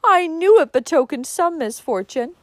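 A prim, superstitious lady cousin from a storybook, voiced by a woman narrator, speaking in a genteel, sniffing manner. Her voice is high and lilts up and down, recorded dry. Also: expressive, normal speed, no echo. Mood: foreboding.

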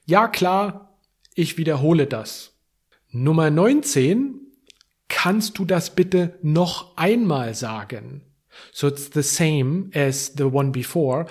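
Slow, careful male language teacher. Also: a little high, expressive. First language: German. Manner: slow, clear repetition of phrases, explaining in English. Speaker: language podcast host. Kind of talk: slow bilingual language lesson.

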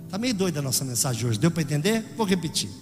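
A man preaching a sermon with a Brazilian Portuguese accent, swinging from loud exclamations to hushed storytelling. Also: on the high side, big pitch swings, fast talker, long reverb tail, over music.

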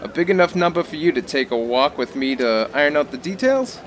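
Guy acting big shady military jacket dude, audio drama, kinda high voice, very up and down, playing it easy but nervous. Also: animated, brisk, slight background noise, lightly acted. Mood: discreet, persuasive. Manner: easy talk over nervous tension. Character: tense, musclebound military-jacketed man peddling a shady job.

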